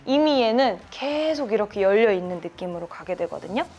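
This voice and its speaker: A woman golf instructor gives a hands-on lesson, encouraging her student through each swing and calling out sound cues like "bang" on every hit. She speaks briskly and with animation in a mid-range voice of darkish tone.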